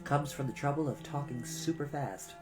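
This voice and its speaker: A woman's voice: a bass voice, moderate pace, over music. A woman with an American accent narrating a children's book as a storytime host, dramatic and given to wry asides. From Cleveland, United States. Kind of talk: expressive children's audiobook narration.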